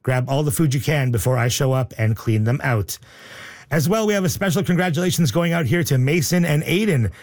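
A man hosting a radio call-in show, upbeat and joking, reading out the phone number slowly. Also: fairly high pitch. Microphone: studio microphone.

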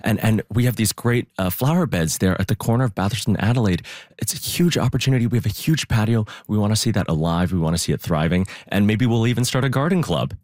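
A man with a low, deep voice talks eagerly as an interview guest. He sounds upbeat and earnest and laughs easily. The studio sound is close and dry, with no room around him. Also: expressive, fast talker, darkish tone, no echo. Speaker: theatre artistic director.

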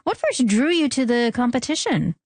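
A woman hosting a radio show, presenting in a friendly, smooth way at a studio microphone. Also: high voice, big pitch swings, moderate pace, dry recording. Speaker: radio host.

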